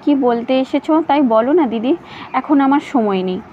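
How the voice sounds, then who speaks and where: A woman voicing a teasing, quick-tongued young wife, in a slightly dull recording with faint hiss. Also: high voice, lightly acted. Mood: pert. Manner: pert, lively retorts.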